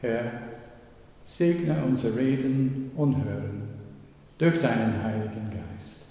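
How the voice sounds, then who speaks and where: A man from Australia, giving a sermon as a pastor in slow, measured speech with occasional slips. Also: medium pitch, expressive, mellow. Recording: echoey church hall, long reverb.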